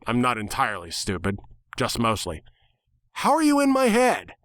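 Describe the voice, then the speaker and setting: A man voicing a brash, self-mocking hero in a fantasy story, excitable and wisecracking. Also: medium pitch, normal speed, no room sound, clean studio sound. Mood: excited.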